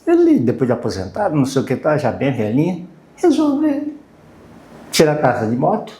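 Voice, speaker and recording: Halting older man, roomy echo. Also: on the high side, huge pitch swings, dark tone. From Brazil. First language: Japanese. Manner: halting, searching for words. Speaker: guest, university lecturer and language student. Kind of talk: casual conversational interview. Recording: roomy, echoing voice recording.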